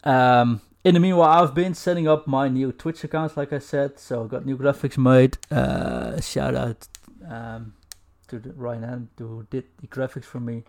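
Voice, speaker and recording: A man hosting a casual video podcast over a call, relaxed, laughing often and filling pauses with "uh". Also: medium pitch. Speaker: podcast host.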